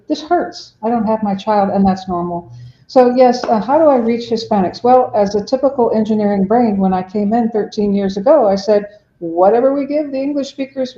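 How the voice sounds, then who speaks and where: Woman guest, raised in Mexico, earnest and explanatory, mellow timbre, echoey lo-fi remote line. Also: mid-range voice. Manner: earnest, explanatory, acts out quotes. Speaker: ministry director, guest. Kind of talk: podcast interview. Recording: dull, roomy remote audio.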